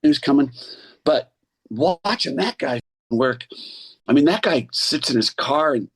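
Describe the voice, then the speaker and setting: Husky man in his sixties telling stories. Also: mid-range voice, unhurried. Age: 60s. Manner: animated, imitates others' voices in quotes. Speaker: guest, actor and voice coach. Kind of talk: casual interview storytelling.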